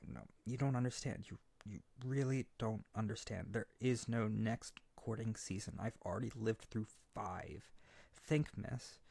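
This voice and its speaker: Guy doing a hyper bird-boy harpy, earnest pleading suitor, voice jumps all over, creaky edges, asmr roleplay. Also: fairly low pitch, no echo, heavily acted. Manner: pleading, excitable, stammering, earnest. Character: hyper, naive, desperate young male harpy suitor. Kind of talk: character roleplay audio, ASMR.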